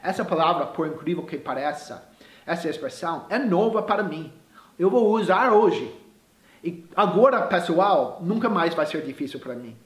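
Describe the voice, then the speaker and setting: A man who is a native English speaker, teaching a casual video lesson in Portuguese and slowing down to repeat words syllable by syllable. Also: a little high, lively intonation. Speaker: language teacher. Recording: roomy echoey room.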